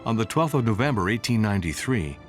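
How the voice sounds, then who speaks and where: A man delivers scripted documentary narration in a fairly low voice. His intonation moves expressively as he tells the story in measured phrases, over a clear bed of music. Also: sing-song.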